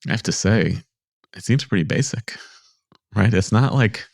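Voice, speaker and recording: A man hosting a podcast asks thoughtful, probing questions in a relaxed conversational tone. His voice is very low and gravelly, and the recording is dry and close. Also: moderate pace, dry recording. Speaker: podcast host. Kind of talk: podcast interview.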